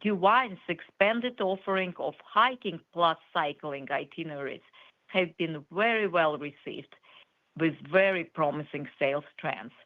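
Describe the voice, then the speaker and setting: A woman's voice: deep voice, animated, measured pace. Woman executive on a muffled conference call. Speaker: company chief executive. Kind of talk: scripted corporate earnings presentation. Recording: muffled, band-limited conference call audio.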